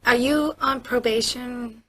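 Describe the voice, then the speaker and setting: A woman's voice: fairly high pitch, fairly even intonation, slow pace. An American woman, a police officer, explaining procedure to a suspect in a matter-of-fact interview manner. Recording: noisy interview room audio.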